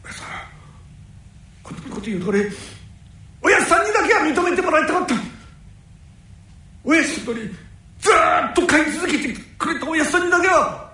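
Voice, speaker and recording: Defiant young fisherman, acted by a man, high and gravelly, very echoey room. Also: animated, fast talker, pauses often. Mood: moved. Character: young male nori fisherman, proud and defiant.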